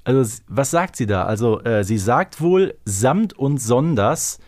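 A man's voice: medium pitch, expressive, measured pace, a little mellow. A man co-hosting a podcast, chatting casually about audio dramas. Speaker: podcast co-host.

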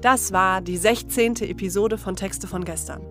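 A woman's voice: medium pitch, a little slow, a bit bright. A woman co-hosting a podcast, reading the scripted outro in a friendly way. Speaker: podcast co-host. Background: music.

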